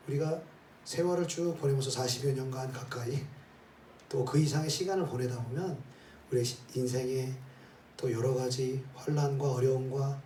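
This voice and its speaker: In a church sanctuary, a male pastor with a dark, medium-pitched voice delivers a sermon, leading the people in reading scripture aloud. He leans on rhetorical questions and "eh?" tags to drive his points home. His voice comes from a distance across the roomy hall, with faint ambience and slight background noise.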